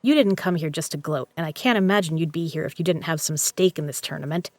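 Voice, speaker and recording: A woman's voice: low voice, quick pace, no room sound, natural voice. Woman acting a tough, wry gambler, dry close sound. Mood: cold, defiant. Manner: dry, sardonic, blunt. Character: tough, wry female poker legend, blunt and guarded. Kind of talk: audio drama acting.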